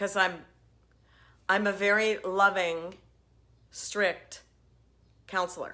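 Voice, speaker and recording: A woman with a bright, sharp tone speaks in a monotone, flat intonation at a very slow pace, with long, frequent pauses. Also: medium pitch for a woman. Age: 60s. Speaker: couples counselor. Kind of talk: casual chat.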